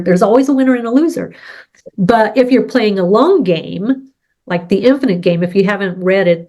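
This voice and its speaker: A middle-aged woman with a head cold co-hosts an informal conversation about business. She often asks "right?" and illustrates her ideas with examples from sports and farming. Her voice has a medium pitch and a slightly mellow quality.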